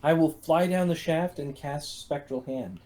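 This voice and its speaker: A man's voice: a little high, a little slow, mellow. A man playing a tabletop game, speaking in a hesitant, cautious way. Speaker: player. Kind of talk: casual tabletop play.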